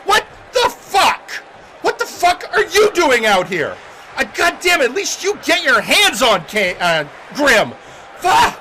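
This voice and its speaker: A man's voice: extremely high pitch, wildly swooping pitch, a little slow, heavy background noise, voice pushed up, full character voice. A man playing an angry, frustrated wrestler ranting in a promo, stammering with exasperation. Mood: furious, incredulous. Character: furious, frustrated male wrestler ranting in the ring.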